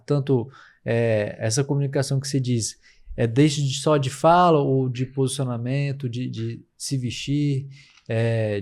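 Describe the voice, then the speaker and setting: A man's voice: medium pitch, darkish tone. A Brazilian podcast host, a man, asking a question while searching for words and using fillers. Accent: Brazilian Portuguese. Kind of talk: interview questions.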